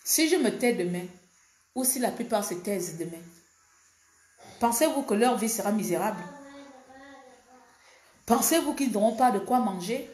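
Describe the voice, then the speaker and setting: A woman from Gabon, an activist, talking fast and emphatically in a defiant political monologue. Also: mid-range voice, animated, darkish tone, reverberant.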